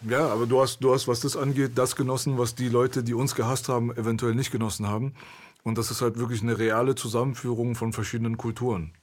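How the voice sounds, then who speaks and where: A man from Berlin talks bluntly and intensely as a guest. His voice sits at an ordinary middle pitch, and he builds his points with forceful emphasis. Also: level tone, quick pace. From Berlin, Germany. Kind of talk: candid conversation.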